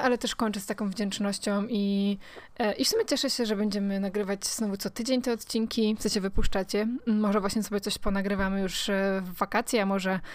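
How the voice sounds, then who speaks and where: A woman's voice: mid-range voice, dry recording. A woman co-hosting a podcast, chatting casually and directly to listeners. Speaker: podcast co-host.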